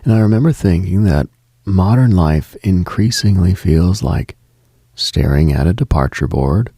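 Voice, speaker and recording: A man hosting a late-night radio show, speaking a slow reflective monologue in a hushed, half-whispered delivery. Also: low-pitched, animated, husky, dry recording, studio quality.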